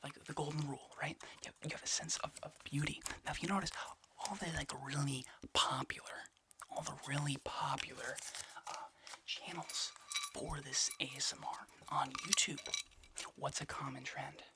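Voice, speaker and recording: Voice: mid-range voice, moderate pace. Someone whispering an asmr roleplay, paranoid conspiracy nut type, rambly, stammery, keeps repeating stuff urgently. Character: obsessive paranoid conspiracy theorist debunking ASMR. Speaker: ASMR video creator.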